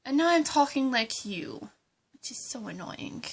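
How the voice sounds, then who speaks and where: A woman voicing a scheming female supervillain in a fan roleplay, talking slowly and condescendingly and dropping into menacing whispers. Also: high-pitched, sing-song, creaky, heavily acted, rough recording. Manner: slow, condescending, drops into menacing whispers, calls everyone darling.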